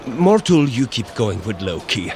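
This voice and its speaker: An actor playing a hearty, food-loving thunder god in an audio drama, speaking in a grandly formal way. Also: male voice, medium pitch, sing-song, a little slow, a little mellow, slight background noise. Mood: eager. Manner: grandly formal, archaic phrasing.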